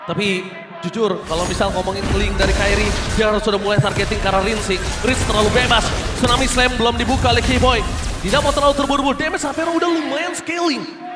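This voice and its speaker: Male Indonesian shoutcaster, very high register, theatrical game calls, music behind. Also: steady tone. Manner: theatrical, drawn-out shouted calls in big moments. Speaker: esports match commentator. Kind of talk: live game commentary. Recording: echoey shoutcast mixed over loud music.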